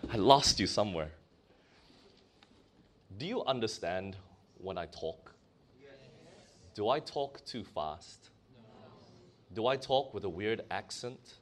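A man's voice: on the low side, animated, takes it slowly, pauses often, a bit bright. A male preacher with a Malaysian accent, delivering a sermon and asking his congregation questions as he stresses key words.

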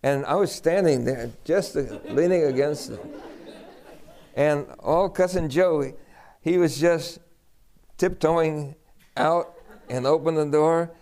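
A man from Puerto Rico preaching a sermon, telling a lively personal story and acting out the dialogue. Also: fairly high pitch, slow, long pauses.

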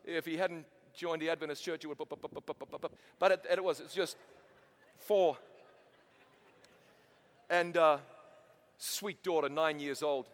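A man preaching with a New Zealand accent touched by American sounds. His voice sits high, and he tells his story in a lively, joking way. A long reverb trails his words across a big hall. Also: measured pace, long pauses. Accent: New Zealand with an American tinge. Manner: animated, chatty, self-mocking asides. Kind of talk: storytelling sermon.

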